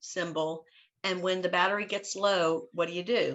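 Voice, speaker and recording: An unremarkable speaking voice belongs to a woman with an American accent, who talks at a fairly low pitch and a fairly slow pace with fairly even intonation. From US South. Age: 60s. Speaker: wellness product distributor. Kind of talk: interview.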